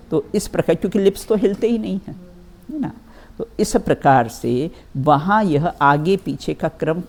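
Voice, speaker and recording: Slow-paced woman teaching scripture. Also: deep voice, dark tone, slight background noise. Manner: slow, repeatedly checks with "है ना" and "बिल्कुल"; addresses listeners as children, gives everyday examples. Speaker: religious teacher. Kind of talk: reading and explaining a scripture text.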